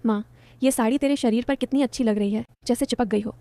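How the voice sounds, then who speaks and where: Woman doing a young stepson, pleading, suggestive, mellow tone, dry close sound. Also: a little high, steady tone, fast, dry recording, natural voice. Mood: coaxing.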